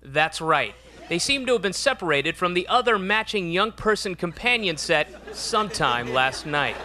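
An American actor playing a serious field reporter in a news parody, official, precise and deadpan. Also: male voice, sits high, normal speed, a little hiss or hum. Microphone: handheld microphone.

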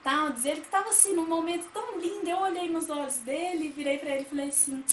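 A woman's voice: very high voice, fast, a little hiss or hum. A young woman telling funny personal stories in a casual vlog, often calling out to her viewers. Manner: chatty, addresses viewers as "gente", acts out quotes loudly. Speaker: vlogger. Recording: echoey room, faint ambience.

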